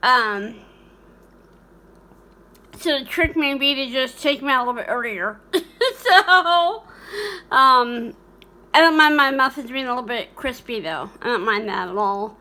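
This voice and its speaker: Bright high-voiced woman vlogging casually. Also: a little slow, pauses often. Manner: rambling, many fillers and restarts. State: hiccuping. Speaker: cooking channel host. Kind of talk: casual vlog chat.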